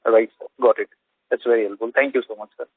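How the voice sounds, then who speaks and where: A man with an Indian accent speaks as an analyst on an earnings call. His voice is mid-pitched and husky. The audio is dry and phone-like. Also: steady tone, fast talker, no echo. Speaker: analyst asking a question.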